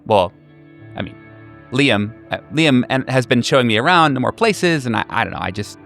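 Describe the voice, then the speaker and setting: A man's voice: medium pitch, expressive, normal speed, a bit bright, faint music behind. A man voicing a gushing, eager middle-aged gay man in a tabletop roleplay, effusive, reassuring and stammering. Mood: eager, nervous.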